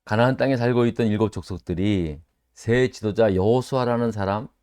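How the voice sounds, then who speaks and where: A middle-aged man pastor leading a Bible study sermon, speaking in an animated way, asking his listeners rhetorical questions and acting out quoted voices. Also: fairly quick, smooth, dry recording, studio quality. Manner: acts out quoted voices with sudden jumps in pitch.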